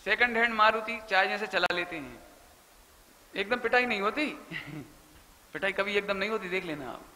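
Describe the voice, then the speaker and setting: A man's voice: sits high, moderate pace. A man giving a sermon, telling family anecdotes and voicing the people in them. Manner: storytelling, softly voicing family members in quoted lines. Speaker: Jain preacher. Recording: echoey hall with long reverb, faint ambience.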